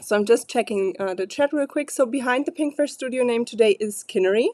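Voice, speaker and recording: A woman with a stuffy, congested voice hosts a live card-making stream in a chatty, loosely paced way, clearing her throat now and then. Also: fairly high pitch, a little fast, darkish tone, no echo, studio quality. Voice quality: frequent throat clearing and fillers. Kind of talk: casual live-stream chat.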